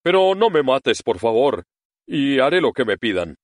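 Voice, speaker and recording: A man's voice: medium pitch, very animated, moderate pace, dry recording, pitched above the performer's own voice, natural voice. A man doing a trembling little old humbug wizard. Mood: trembling pleading. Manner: trembling, pleading voice. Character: timid old bald male humbug wizard.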